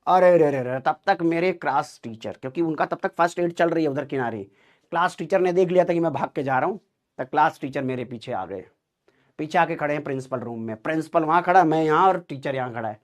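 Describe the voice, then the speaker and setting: A man with a high voice tells an animated story to his class. He acts out the dialogue with lively drama. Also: a little fast. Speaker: teacher telling a story to students.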